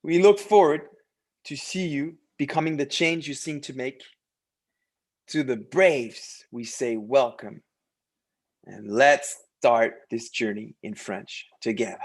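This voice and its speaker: Slow-paced man presenting a language course. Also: fairly high pitch. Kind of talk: promotional course presentation, partly read aloud.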